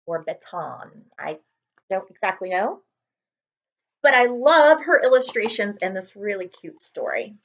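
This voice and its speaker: A woman reading a children's storybook aloud as host, expressive and speaking directly to young listeners with friendly asides. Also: mid-range voice, a little slow, dull audio. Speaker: read-aloud host, librarian.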